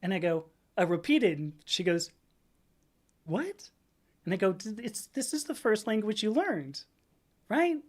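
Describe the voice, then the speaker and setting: A woman in her fifties talks casually on a livestream, rambling from one thought to the next and laughing along the way. She has a mid-pitched voice and sounds chatty and relaxed as she responds to viewers. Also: measured pace, pauses often. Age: 50s. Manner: rambling, chatty, laughs often, reads out chat comments. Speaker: livestream host.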